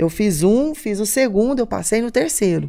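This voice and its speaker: On a very clean recording with a silent background, a woman with a dark, mellow, fairly high voice speaks at a moderate pace with lively intonation. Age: 40s. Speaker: military police sergeant. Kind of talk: podcast interview. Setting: podcast studio, streamed live.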